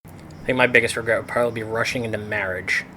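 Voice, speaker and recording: Fast, flat-toned, wry man. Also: fairly low pitch, a little hiss or hum, rough recording. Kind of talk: candid interview answer.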